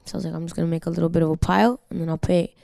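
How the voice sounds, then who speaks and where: A young woman from Canada, Spanish her first language, tells her story as an interview guest with loose slang and frank swearing. Her voice sits low and mellow, with a gravelly fry and an even, flat delivery. The sound is close and dry. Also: very fast, no echo. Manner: candid, slangy and swearing freely. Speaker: guest singer. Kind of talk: casual interview talk.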